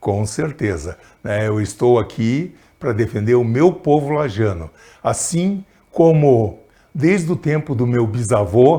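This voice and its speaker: In a very clean recording with a silent background, a man speaks very slowly in a somewhat breathy, dark, mellow voice with very wide pitch swings. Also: medium pitch for a man. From southern Brazil, Lages, Santa Catarina. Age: 60s. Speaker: city councillor and physician. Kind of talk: interview.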